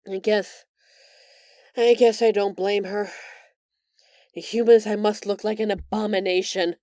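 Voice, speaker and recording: A gentle alien woman played by a female voice actor speaks slowly and earnestly in an intimate roleplay monologue. She sounds remorseful and empathetic, hesitating with feeling, in a very dry, close recording. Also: medium pitch, little pitch movement, dry recording, natural voice. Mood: wistful. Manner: earnest, hesitant, emotional, with sighs and pauses.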